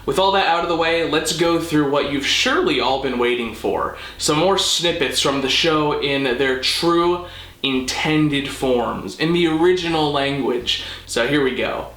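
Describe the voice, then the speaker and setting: A man hosting a language explainer, narrating in a didactic, precise way with deliberate emphasis. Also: a little high, fairly bright tone. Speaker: host of a language explainer channel. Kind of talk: explanatory scripted narration with casual asides. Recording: roomy, echoing indoor sound.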